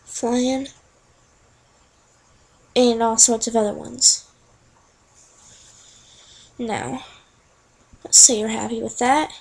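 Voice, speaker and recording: Young woman, breathy and fairly high, casual screen-recording tutorial, talks through her clicks. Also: steady tone, drawn-out words, long pauses, a little mellow, low-quality recording. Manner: chatty, talks through each click as she goes. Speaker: tutorial narrator.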